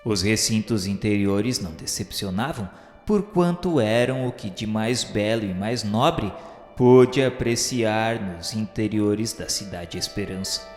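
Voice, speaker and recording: A Brazilian man narrating a radio novel as a reverent spirit recounting his memoirs, in formal, measured, poetic phrases. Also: fairly low pitch, a little mellow, lightly acted. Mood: solemn, reverent. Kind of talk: solemn literary radio drama narration. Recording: echoey long reverb, music behind.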